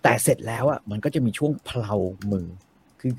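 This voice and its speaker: A man's voice: mid-range voice, a little fast, slightly rough. A man talking casually and animatedly about novels, swearing freely and repeating words for emphasis. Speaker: guest discussing novels. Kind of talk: casual chat.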